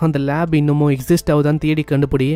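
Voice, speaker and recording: A cold young hunter, curt and commanding, with a mellow, smooth tone and a slightly high pitch, as a man reads him in a storybook recap. The sound is dry and close. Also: steady tone, quick pace, dry recording, lightly acted. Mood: stern.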